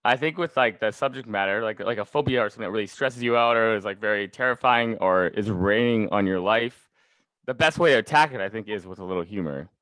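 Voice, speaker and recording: A man's voice: on the low side, quick pace, a bit bright, no room sound, low-quality recording. A man hosting a podcast in a casual, conversational style. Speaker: podcast host. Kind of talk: casual chat.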